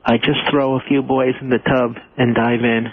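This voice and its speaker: A man's voice: medium pitch, level tone, normal speed, close to an everyday voice. A man playing a creepy, lewd prison inmate on a prank phone call. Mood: lewd, eager. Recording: tinny, narrow phone line.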